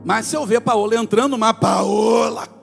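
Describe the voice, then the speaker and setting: A Brazilian man in his forties with a Rio de Janeiro accent preaches from the church pulpit, his high voice rising and falling between quiet asides and loud exclamations. Soft music plays faintly behind him. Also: fast, vocal fry, long reverb tail. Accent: Brazilian Portuguese, Rio de Janeiro state. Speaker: pastor. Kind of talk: sermon. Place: church sanctuary.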